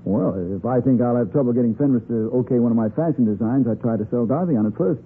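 A casual fashion designer in an old radio mystery. He rattles along matter-of-factly in a very husky voice, on a muffled 1940s recording. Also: mid-range voice, quick pace. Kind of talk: 1940s radio crime drama acting.

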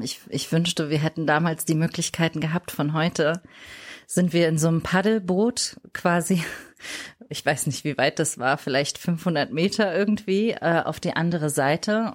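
This woman's voice sits deep and low as she tells her personal story in a podcast interview. She speaks reflectively and often breaks off mid-sentence to find the right word. She grew up in Germany and sounds like it is her own everyday talk. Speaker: interview guest.

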